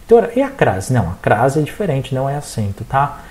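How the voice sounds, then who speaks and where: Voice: medium pitch, fairly quick. A teacher from Brazil with a Brazilian accent, giving a recorded exam-prep lesson, talking straight to the students and checking in often to see they follow. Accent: Brazilian Portuguese. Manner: animated, addresses students directly, checks in with frequent "tá?".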